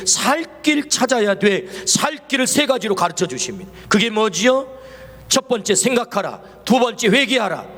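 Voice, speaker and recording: A man with a high voice preaching a Sunday sermon in a church sanctuary, its long reverb trailing each phrase. He keeps asking the congregation questions, at times dropping soft and low, at times lifting his voice. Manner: preaching with rhetorical questions, swings between soft and raised passages. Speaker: pastor.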